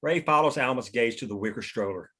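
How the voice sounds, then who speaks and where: A man's voice: mid-range voice, fairly quick, pushed and bright, breathy edge. A man reading scene headings and action lines at a script table read, in scripted narration. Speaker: stage directions reader at a script table read.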